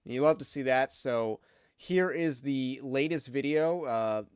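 A man giving informal opinion commentary as a channel host, speaking in a halting, hesitant way. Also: mid-range voice, clear, resonant tone, no echo, studio quality.

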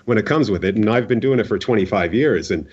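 A man's voice: fairly low pitch, animated, quick pace, a little mellow, breathy edge, muffled recording. A middle-aged man, a veteran bartender, talking casually and emphatically on a podcast, repeating words for stress.

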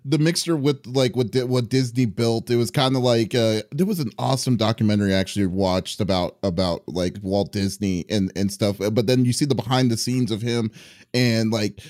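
A man's voice: fairly low pitch, fairly quick, darkish tone, dry recording, studio quality. A man hosting a casual chat, rambling loosely, laughing often and filling his talk with "like".

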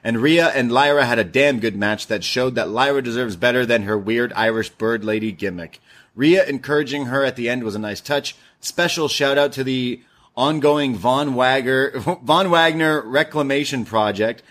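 A man's voice: mid-range voice, moderate pace, a bit bright. Laid-back podcast co-host, a man in his thirties, mid-range voice, easygoing delivery. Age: 30s. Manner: laid-back, reads messages aloud, laughs easily. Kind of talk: casual podcast chat, reading listener mail.

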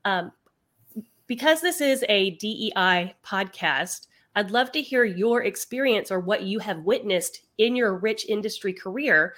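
A woman's voice: medium pitch, fairly bright tone. Upbeat woman hosting a podcast. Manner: upbeat and enthusiastic. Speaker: podcast host. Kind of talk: casual interview hosting.

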